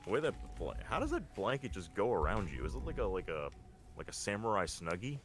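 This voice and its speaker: A man's voice: lowish voice, wildly swooping pitch, a little fast. A man co-hosting a podcast in casual fan chat, rambling and enthusiastic. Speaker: podcast co-host. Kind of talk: casual fan chat about games and cartoons.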